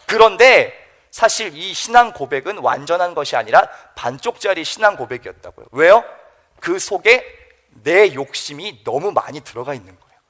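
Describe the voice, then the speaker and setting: Brief: animated male youth pastor, high voice, lots of swing in pitch. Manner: animated storytelling, acts out characters. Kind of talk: youth sermon. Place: church.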